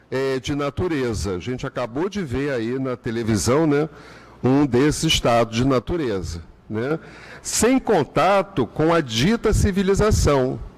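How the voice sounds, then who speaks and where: At a fairly slow pace, a man speaks in a medium pitch with very wide pitch swings. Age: 70s. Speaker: spiritist lecturer. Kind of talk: religious lecture. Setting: spiritist centre hall.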